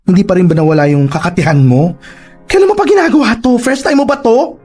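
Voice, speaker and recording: A man's voice: sits high, fast, darkish tone, husky, faint music behind. A man voicing a flamboyant gay male best friend in a Tagalog audio drama, teasing and campy with dramatic exclamations. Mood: scolding. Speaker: office colleague.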